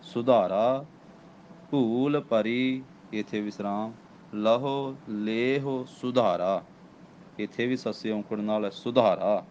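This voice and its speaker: A man's voice: lowish voice, a little mellow, slight background noise. A man with a Punjabi accent teaching scripture recitation line by line, patiently correcting pronunciation and demonstrating each phrase. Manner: patient, corrects word by word, slow chanted demonstration. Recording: dull lo-fi recording with faint ambience.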